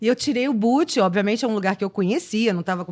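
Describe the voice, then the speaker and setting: A woman talks fairly quickly in an animated tone. Her intonation is lively. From Brazil, Espírito Santo (Cachoeiro de Itapemirim). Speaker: TV journalist. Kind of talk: casual interview chat.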